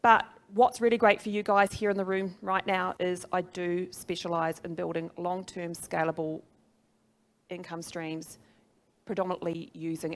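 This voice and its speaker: A social media trainer and speaker with a New Zealand accent, this middle-aged woman delivers a motivational business presentation to a live audience in a fairly low register. Chatty but emphatic, she often poses questions to those listening.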